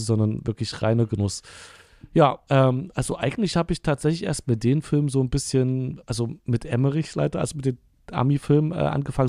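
A man's voice: medium pitch, creaky, mellow, no echo, clean studio sound. A man in his forties co-hosting a casual film podcast, rambling and correcting himself as he talks. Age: 40s. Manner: rambling, self-correcting, amused. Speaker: podcast co-host.

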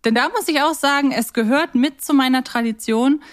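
A woman's voice: sits high, brisk. A woman chatting casually as co-host of a fan podcast.

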